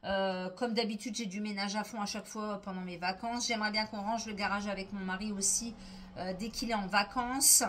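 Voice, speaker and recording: A woman's voice: mid-range voice, fairly even intonation, fairly quick, fairly bright tone, a little hiss or hum. A middle-aged woman chatting casually in a home vlog, rambling with many hesitations. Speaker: vlogger. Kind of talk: casual daily vlog chat. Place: at home indoors.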